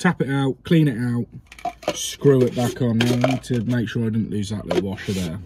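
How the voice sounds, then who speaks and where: Light background noise sits under a man's voice. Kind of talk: tutorial. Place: car.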